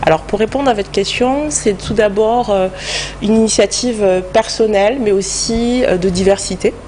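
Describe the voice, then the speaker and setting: A woman with a French accent and a medium-pitched voice speaks as an interview guest. She explains points step by step like a professional expert. Faint noise sits behind her in the studio. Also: moderate pace, dark tone. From France. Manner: structured, explanatory, step-by-step answers. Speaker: guest expert, human resources director.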